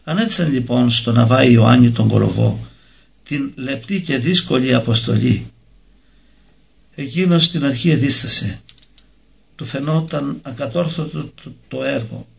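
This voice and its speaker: A man narrating a religious story in a slow, measured reading. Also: mid-range voice, gravelly. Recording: dull lo-fi recording.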